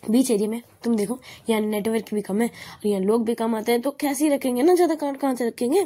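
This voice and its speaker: A woman's voice: on the high side, fast, dark tone, breathy edge. A woman doing a teasing carefree young woman. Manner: teasing, easygoing.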